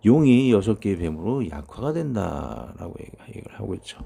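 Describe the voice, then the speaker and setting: Gravelly low-voiced Korean pastor. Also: male voice, big pitch swings, brisk, dark tone. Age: 50s. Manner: conversational, thinking aloud with many fillers. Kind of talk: sermon reading and commenting on prophecies.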